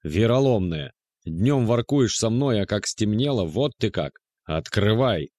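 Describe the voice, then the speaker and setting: A man voicing a jealous, hoarse middle-aged man shouting demands in the night in a storybook reading. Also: sits low, normal speed, dry recording, natural voice. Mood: jealous rage. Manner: loud, demanding, accusing.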